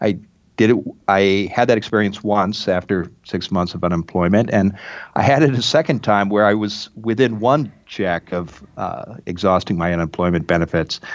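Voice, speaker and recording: A man with a fairly low pitch talks at a moderate pace, his pitch varying in an ordinary way. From US Midwest, eastern Iowa. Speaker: career expert and author. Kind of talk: interview.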